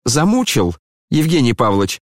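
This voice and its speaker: A man's voice: medium pitch, very animated, moderate pace, no room sound, clean studio sound, voice pushed up, natural voice. A man voicing a feverish young man in a dramatic audiobook, speaking in a shaky, accusing way that breaks on each word. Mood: trembling.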